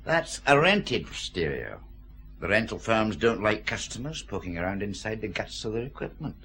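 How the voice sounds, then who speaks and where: An actor playing a dry, self-satisfied police forensic scientist explaining evidence in a radio drama. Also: male voice, on the low side, sing-song, normal speed, sharp tone, heavily acted. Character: wry Glasgow police forensic scientist, pleased with himself.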